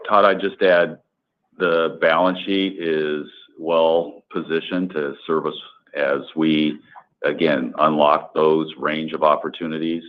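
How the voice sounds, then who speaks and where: A male company executive answering on an earnings call, speaking in halting corporate phrasing over a phone line. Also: very deep voice. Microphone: conference call line. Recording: tinny narrow phone line.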